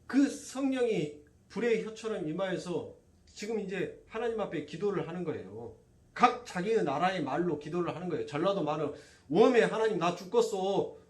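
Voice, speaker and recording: A man's voice: high voice, animated, normal speed, darkish tone, distant mic. A male pastor, preaching a sermon and firing rhetorical questions at his congregation. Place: church sanctuary. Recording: echoey room, voice off-mic.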